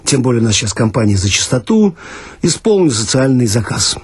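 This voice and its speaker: A man's voice: medium pitch, very animated, fairly quick, breathy edge, no room sound. A man reading a comic story aloud with ironic, mock-serious narration. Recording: dry archival radio recording.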